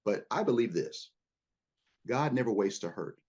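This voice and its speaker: A man's voice: fairly low pitch, expressive, normal speed, a little mellow, breathy edge, muffled recording. A man speaking as a guest in a podcast interview, earnest and often repeating words as he builds a point. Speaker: guest, leadership consultant.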